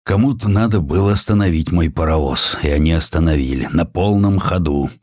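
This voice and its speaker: A broken but proud male magnate voiced by a male narrator speaks with weary bitterness. The voice is very deep and dry, in the manner of an audiobook drama. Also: fairly quick, darkish tone, dry recording. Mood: bitter, dejected. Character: jailed, broken male arts patron and railway magnate.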